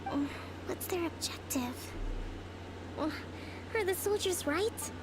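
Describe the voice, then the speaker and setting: A woman playing a composed young female leader in a video game, speaking in a measured, formal, thoughtful way. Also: very high voice, animated, music in the background, heavily acted. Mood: pondering.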